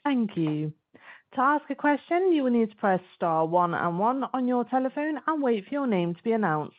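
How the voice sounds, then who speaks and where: A woman working as a conference call operator, giving formal, procedural scripted announcements. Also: medium pitch. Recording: narrow tinny phone-line sound.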